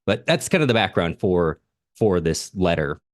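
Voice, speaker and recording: A man's voice: low voice, very animated, normal speed, dry recording, studio quality. A man hosting a podcast, explaining background to literature in an unscripted, self-correcting way. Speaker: podcast host.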